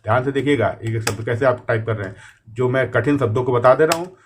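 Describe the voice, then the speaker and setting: A man gives a typing lesson in a calm, patient voice of ordinary pitch, drawing out each practice word as he types. Keyboard clicks sound behind him, over a faint background hiss. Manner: patient, repeats words slowly while typing them. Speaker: typing teacher. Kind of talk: screen-recorded typing lesson.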